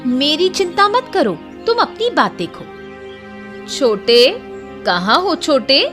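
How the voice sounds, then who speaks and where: A woman's voice: high voice, sing-song, takes it slowly, soft background music, full character voice. Stubborn sulky cartoon daughter-in-law, snappy, swingy voice, a woman voicing her. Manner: sharp, defiant. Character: proud younger daughter-in-law, sulking and stubborn.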